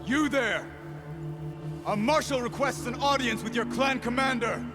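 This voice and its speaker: An actor playing a commanding tribal marshal in a video game, calling out formally. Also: male voice, very high voice, a little slow, over music. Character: commanding male tribal marshal hailing guards. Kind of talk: video game cutscene acting.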